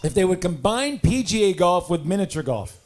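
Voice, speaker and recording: Male stand-up comic, higher voice. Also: big pitch swings, normal speed, background noise. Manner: hypes the next act with loud announcements; puts on character voices in bits. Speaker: stand-up comedian and emcee. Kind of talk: stand-up comedy set. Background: live audience.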